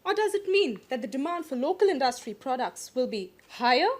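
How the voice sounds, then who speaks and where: A woman's voice: high voice, very animated, brisk. Articulate young woman. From India. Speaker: contestant.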